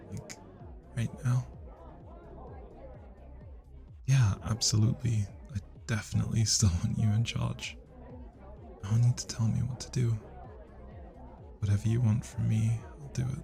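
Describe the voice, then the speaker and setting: A young man with a British accent playing a shy, flustered, sweet guy at a party in an intimate ASMR roleplay, speaking softly and hesitantly. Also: medium pitch, creaky. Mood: eager, shy. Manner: hesitant, bashful, soft-spoken.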